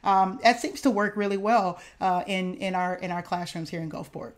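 A woman band director speaks on a webcam call from a home office, her pitch in the middle of the range. She explains things earnestly and at length, with plenty of filler words. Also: normal speed. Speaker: high school band director. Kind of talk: video call panel discussion. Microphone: video call webcam.

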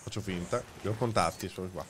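A male streamer chatting casually while playing a game, relaxed and given to casual swearing. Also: low-pitched, fast, noisy background. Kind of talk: casual gaming chat.

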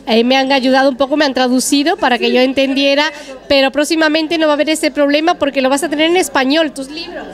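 Woman, high voice, interviewer, chatty, steers the talk, handheld mic. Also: fairly even intonation, fast talker. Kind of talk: event interview. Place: busy restaurant dining room, indoors.

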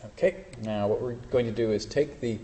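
A man's voice: medium pitch, normal speed, mellow. A man giving an informal university lecture with live demonstrations, correcting himself as he goes and joking dryly. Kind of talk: classroom lecture with live demos. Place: lecture hall. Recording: roomy lecture hall echo, faint hiss.

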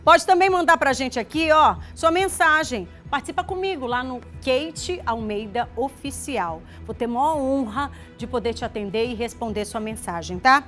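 High-voiced woman presenting on TV. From Maranhão, Brazil. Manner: chatty, direct, coaxing viewers with frequent "tá?"; reads viewer messages aloud, greeting them warmly by name. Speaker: TV news presenter. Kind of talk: live regional TV news presenting. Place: TV studio.

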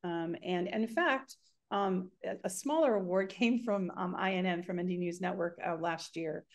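A middle-aged woman hosting an interview over a video call from home, talking haltingly with many fillers. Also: lowish voice, gravelly. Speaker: host. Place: home room, indoors.

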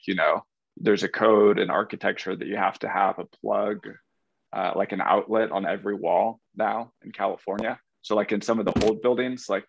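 A man with a low, gravelly voice rambles through his point in a casual group call, often leaning on "like." The sound is dry and close, with dull lo-fi call audio. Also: dry recording. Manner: rambling, uses "like" often, apologetic. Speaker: meetup participant.

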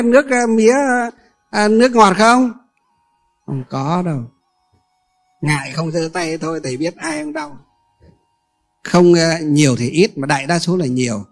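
A male Buddhist monk giving a dharma talk to an audience, posing rhetorical questions and pausing often with fillers. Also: high-pitched. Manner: rhetorical questions to listeners, many filler pauses.

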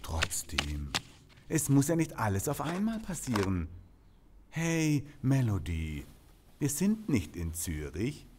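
A man's voice: mid-range voice, wildly swooping pitch, slow pace, noisy background. A man playing an easygoing small-town police detective in an audio drama, speaking in a familiar, colloquial way. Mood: easygoing, teasing. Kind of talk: German audio drama acting.

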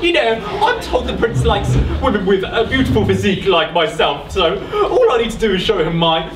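An actor playing a vain, excitable ugly stepsister in a comic amateur pantomime, gushing theatrically. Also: mid-range voice, a little fast, natural voice. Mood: boastful. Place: theatre stage, recorded from far off. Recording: noisy, echoey stage, distant mic.

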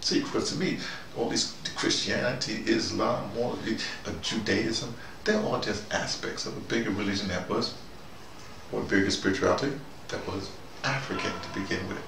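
A man plays an opinionated, easygoing intellectual guy with a low, gravelly voice. He rambles casually and argues his points, often digressing. He is recorded at a distance in an echoey, noisy room. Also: moderate pace. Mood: opinionated, insistent. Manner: digressive, animated, argumentative, punctuated with "you know". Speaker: vlogger in character. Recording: distant mic, echoey room, loud background noise.

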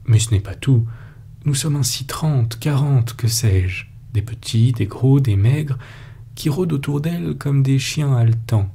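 A man's voice: medium pitch, unhurried, gravelly, a little hiss or hum. A man voicing an agitated, lovesick young man who speaks vehemently, in a storybook reading. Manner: excitable, vehement.

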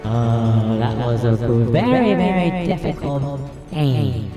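A man's voice: medium pitch, takes it slowly. A man commentating on his shooter game, his voice run through an echoing voice changer. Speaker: gamer. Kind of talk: gameplay commentary. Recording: echoey, distant, loud game music behind.

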